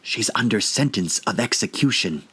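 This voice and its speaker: A man voicing a timid, anxious white rabbit in a storybook, speaking in a nervous, hushed, hurried manner. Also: on the low side, expressive, breathy edge.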